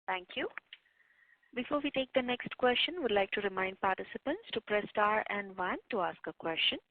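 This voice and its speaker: A woman's voice: mid-range voice, expressive, moderate pace, no echo. Formal female call operator, phone-line sound. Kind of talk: scripted, formal call moderation. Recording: dry, narrow phone line.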